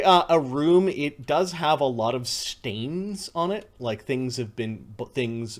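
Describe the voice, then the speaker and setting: A man narrating a tabletop game as game master, rambling with many fillers and self-corrections. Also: mid-range voice.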